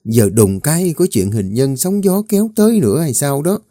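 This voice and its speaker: Man voicing an old woman cook, hushed muttering, low pitch, mellow, dry. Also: lively intonation, normal speed, no room sound, close to an everyday voice. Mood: worried. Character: older village woman cook, gossiping.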